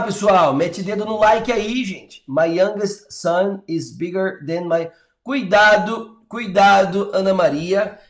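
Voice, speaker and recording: A man with a Brazilian Portuguese accent runs a live online English lesson, chatty and encouraging and full of little fillers. His voice sits high, with a roomy sound.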